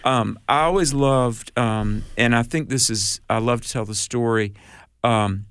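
Animated man quoting scripture on radio. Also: mid-range voice, measured pace, clean tone. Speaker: radio show guest and apologist. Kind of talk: casual radio chat.

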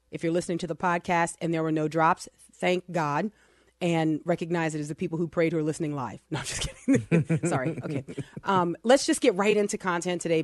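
A woman in her forties hosts a Christian talk show with an earnest, chatty flow, often restarting her sentences. Her voice sits on the lower side. The sound is dry and close, with no room around it. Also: no echo. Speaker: podcast host.

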